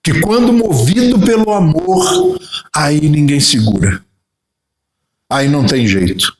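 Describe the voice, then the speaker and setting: A man's voice: on the high side, sing-song, slow pace, reverberant, low-quality recording. A man with a Brazilian Portuguese accent giving a spiritist lecture, telling stories and acting out little dialogues. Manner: storytelling with acted-out dialogue.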